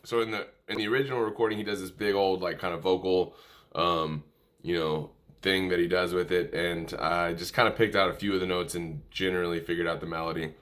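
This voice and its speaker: A man giving an informal music lesson, calling out notes in a halting, easygoing way and correcting himself as he goes. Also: low voice, fairly even intonation, a bit bright. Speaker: music tutorial instructor. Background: musical instrument playing between and under phrases.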